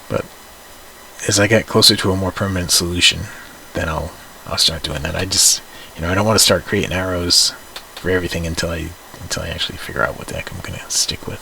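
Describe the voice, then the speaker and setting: A man with a Boston accent and a very deep, low pitch talks at a very fast pace, yet stops for long, frequent pauses. His intonation is fairly even, and background noise is noticeable. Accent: Boston accent, self-remarked. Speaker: trading educator. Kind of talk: live trading session. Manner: casual, filler-heavy, repeats words.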